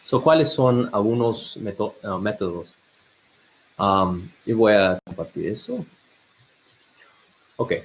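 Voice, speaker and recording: Slow, hesitant man with American-tinged Spanish. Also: on the low side, expressive, gravelly, a little hiss or hum. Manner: hesitant, many fillers and restarts, chuckling often. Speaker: webinar presenter. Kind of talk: online presentation. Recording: dull lo-fi web call audio.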